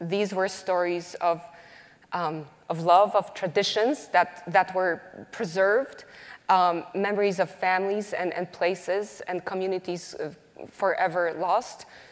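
A woman with an ordinary speaking voice, medium in pitch, at a fairly slow pace with fairly even intonation. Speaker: foundation director and moderator. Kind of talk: onstage interview. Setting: stage with audience.

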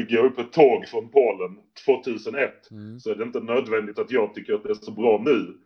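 A man with an unremarkable speaking voice, ordinary pitch variation and a moderate pace. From Skåne, Sweden (Lund). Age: 30s. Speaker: graffiti artist. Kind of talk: casual interview.

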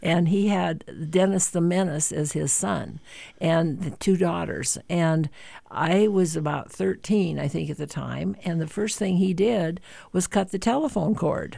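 In an American accent, a woman speaks at a fairly slow pace with a fairly low pitch, a dark, mellow tone, vocal fry and ordinary pitch variation, on a very clean recording with a silent background. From Montana, Helena. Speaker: community event organizer. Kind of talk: radio interview. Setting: studio.

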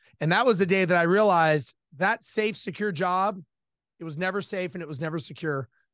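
A man with a Californian accent at a high pitch, talking at a very fast pace, with a dry, close sound with no echo and a quiet background. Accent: General American (California). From US West Coast (Los Angeles). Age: 40s. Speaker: airline pilot and real estate investor. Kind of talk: interview.

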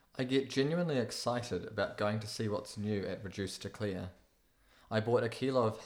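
Speaking at a moderate pace, a man with an unremarkable speaking voice sits at a fairly low pitch. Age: 20s. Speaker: writer and collage artist. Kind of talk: casual conversation.

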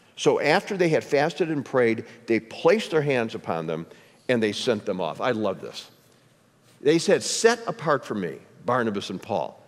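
A man speaks at a medium pitch and a moderate pace, with vocal fry. His pitch swings very widely. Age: 60s. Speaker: pastor. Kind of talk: sermon. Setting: church.

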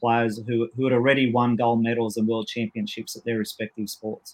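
At a fairly quick pace, a man talks at medium pitch in a monotone, flat intonation. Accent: Australian. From Sydney, Australia. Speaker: football coach. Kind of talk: interview.

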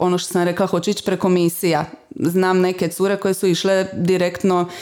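A woman at a moderate pace with a fairly low pitch, over noticeable background noise. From Croatia, Zadar (Dalmatia). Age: 30s. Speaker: volunteer traveller. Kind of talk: casual interview.

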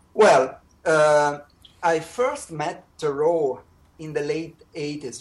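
Very slow speech with an Italian accent over noticeable background noise. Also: man. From northern Italy. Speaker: graphic designer and tarot reader. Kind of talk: casual interview chat. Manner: halting, repeats words.

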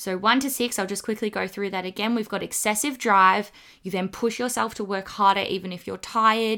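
In a very clean recording with a silent background, a woman's bright, sharp tone carries fairly even intonation. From Australia. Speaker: secondary school health teacher and podcast host. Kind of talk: solo educational podcast monologue. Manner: casual and chatty.

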